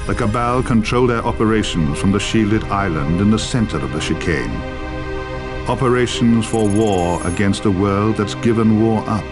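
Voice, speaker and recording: An actor voicing a grave, measured narrator of a dystopian war story in a video game intro. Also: male voice, on the low side, lightly acted. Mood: grave, ominous. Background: music.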